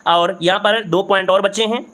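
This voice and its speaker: A male tutor runs a live exam-prep lesson. His voice sits high and sounds bright and forceful. He moves through the answers briskly and repeats each one for his students. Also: fairly even intonation. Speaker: teacher.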